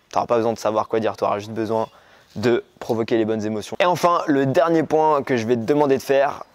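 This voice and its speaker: Young male coach from Morocco, mid-pitched, animated, plays with pace and emphasis. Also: a little hiss or hum. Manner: lively, expressive, speeds up and slows down for emphasis. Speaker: dating coach. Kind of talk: coaching video lesson.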